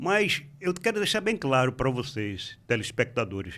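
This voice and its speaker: Recorded very cleanly against a silent background, this man speaks at a fairly high pitch with very wide pitch swings. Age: 70s. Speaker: amateur runner, running group leader. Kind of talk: radio talk show interview.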